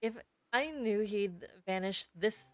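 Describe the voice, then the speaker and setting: A woman narrates a story in the first person at a slow, careful pace. The sound is dry, and she now and then trips on a word and reads it again. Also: medium pitch, no echo. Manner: stumbles over words and rereads them. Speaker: streamer reading a story game aloud.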